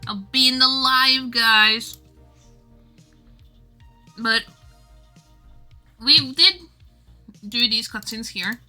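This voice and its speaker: A woman's voice: a little high, drawn-out words, pauses often, sharp tone, faint music behind. A woman livestreamer chatting casually with her viewers in a rambling, exclamatory way. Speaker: livestreamer and game developer.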